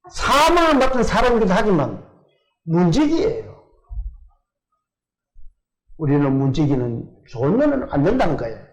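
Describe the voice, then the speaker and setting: A man's voice: high voice, low-quality recording. An older man from South Korea, preaching a sermon in church and putting questions to his congregation. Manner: asks the congregation questions and answers them himself. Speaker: pastor.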